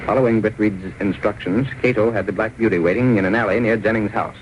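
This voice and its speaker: A man narrating a 1930s radio drama in an even, declarative way. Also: fairly low pitch, fast, background noise. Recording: muffled old radio transcription.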